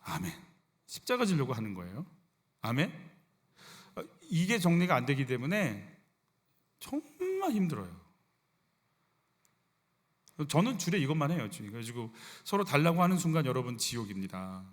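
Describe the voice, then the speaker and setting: Lively man preaching in a reverberant church. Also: mid-range voice, moderate pace, pauses often. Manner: animated, conversational preaching with rhetorical questions. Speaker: senior pastor. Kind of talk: sermon. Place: church sanctuary.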